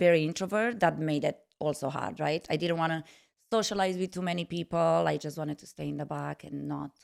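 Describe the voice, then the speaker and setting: A woman speaks with a Romanian accent and a fairly low pitch. The recording is very clean, with a silent background. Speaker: former Olympic gymnast and fitness coach. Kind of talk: interview.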